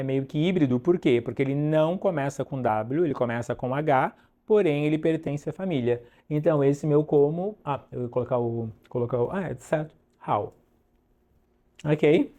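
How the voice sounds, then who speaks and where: Man w/ teaching a lesson, soft dark voice, pitched a bit up, slow drills, lots of "ok?". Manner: drills pronunciation slowly, checks in with "ok?" often. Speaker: English teacher. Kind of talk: online English lesson at a whiteboard.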